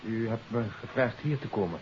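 Nervous, defensive male suspect actor, animated pitch. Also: a little fast, natural voice. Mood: guarded. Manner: defensive, agitated. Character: evasive, nervous male suspect, indignant under questioning. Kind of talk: 1950s Dutch radio drama acting. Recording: muffled 1950s radio recording with hiss.

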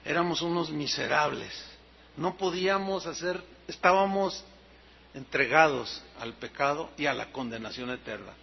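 Husky Mexican preacher, high-pitched. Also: male voice, normal speed. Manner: animated, acts out scenes, explains words. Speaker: pastor. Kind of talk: sermon. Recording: dull lo-fi sermon recording.

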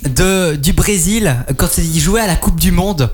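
A man's voice: high-pitched, a little slow, a little hiss or hum. A young man hosting a radio show in casual chat, teasing his guests and laughing often.

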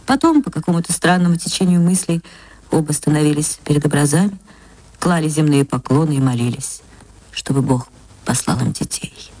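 A woman narrating a classic story for radio in a measured, expressive way, on an archival recording. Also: deep voice, dry recording. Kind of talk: literary reading for radio.

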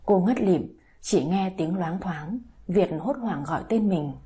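Husky, dark-voiced woman narrator. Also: on the low side, lively intonation, measured pace. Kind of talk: scripted story narration.

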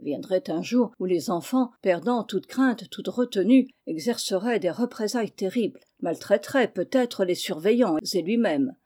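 Mellow-voiced woman reading a novel aloud. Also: mid-range voice, expressive. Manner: measured storytelling. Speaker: audiobook narrator. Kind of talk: scripted literary narration.

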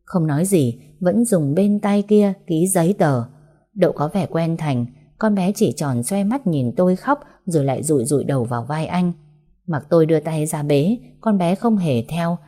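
Mellow-voiced woman narrating a sorrowful story. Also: lowish voice, animated, moderate pace. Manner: sorrowful, heartfelt emotional reading. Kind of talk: first-person audiobook storytelling.

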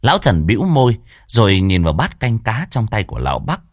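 Brief: male storyteller, lowish voice swinging wildly in pitch, bone-dry close recording. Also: brisk, no echo. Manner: expressive, rhythmic storytelling. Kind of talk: ghost story narration.

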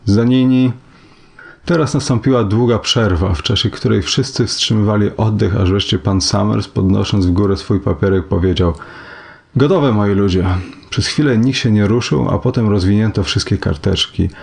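A male narrator reads a short story aloud in a low, gravelly, husky voice. His delivery is measured and even, a steady audiobook telling.

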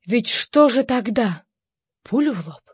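A woman voicing a nervous, lisping gentleman suitor who speaks in melodramatic, despairing exclamations for an audiobook. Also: a little high, animated, measured pace, husky, dry recording, full character voice. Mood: anxious. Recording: slightly dull dry recording.

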